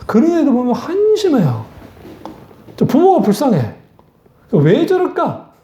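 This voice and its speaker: Blunt, lively woman preaching a sermon. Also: high voice, a little slow, roomy sound, highs cut off. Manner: blunt, conversational preaching with rhetorical questions. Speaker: pastor. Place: church sanctuary.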